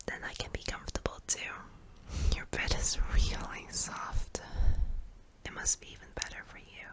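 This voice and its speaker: A performer voicing a kindly, apologetic sleep paralysis demon in a soft, hesitant, breathy whisper for an ASMR roleplay. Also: moderate pace, lightly acted. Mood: shy, hesitant.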